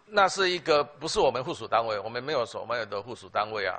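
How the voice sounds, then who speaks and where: Using a bright, sharp tone, a man speaks at a fairly quick pace with ordinary pitch variation. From Taiwan. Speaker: county health bureau director. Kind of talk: official report and answering questions. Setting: council chamber. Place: hall. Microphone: podium.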